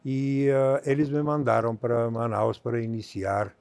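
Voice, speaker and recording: A man in his seventies from Bulgaria, speaking with a Bulgarian accent as a guest in an interview on a theater stage, measured and halting with many fillers. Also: medium pitch, flat delivery, vocal fry, a little mellow, no room sound. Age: 70s. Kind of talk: stage interview on a TV talk show.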